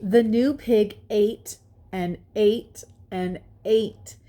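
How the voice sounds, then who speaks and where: A woman reading a children's picture book aloud expressively, with deliberate, dramatic pauses. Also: mid-range voice, steady tone, mellow, slight background noise. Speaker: storyteller.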